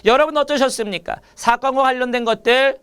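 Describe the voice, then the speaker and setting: A man teaching literature in an online exam-prep lecture, repeating key points and firing quick questions at his students. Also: extremely high pitch, a bit bright, clear, resonant tone.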